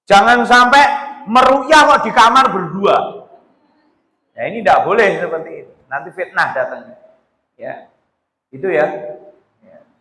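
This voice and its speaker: A male Islamic preacher, giving a casual, animated sermon to a women's study group. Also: high-pitched, unhurried, pauses often. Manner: casual preaching, mixing Javanese words, animated. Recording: echoey hall reverb.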